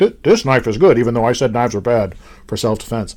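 A man uses a put-on character voice at a medium pitch. He talks at a very fast pace. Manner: dopey.

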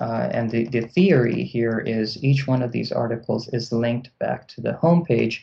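With hardly any pauses, the talking proceeds at a moderate pace. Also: man. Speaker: blogger and online entrepreneur. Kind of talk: casual interview.

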